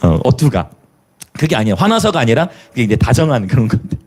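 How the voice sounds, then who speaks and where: Lively pastor. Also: male voice, mid-range voice, fast, husky. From Jeolla, South Korea. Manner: lively preaching with rhetorical questions and hallelujahs; chuckles between remarks. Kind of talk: sermon.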